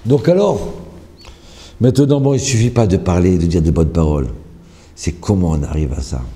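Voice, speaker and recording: A rabbi with a very low, dark, mellow voice preaches an earnest sermon. He builds his urging through repeated phrases, rising louder on key lines, then settles into a soft, quiet blessing. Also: animated, normal speed. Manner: earnest, repetitive exhortation that swells louder and higher on key phrases.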